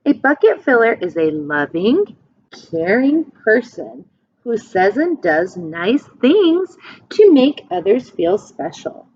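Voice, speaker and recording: A woman reading a picture book aloud to young children in an expressive, teacherly way, with simple phrasing and asides to her listeners. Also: fairly high pitch, takes it slowly, slight background noise. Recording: dull, lo-fi sound.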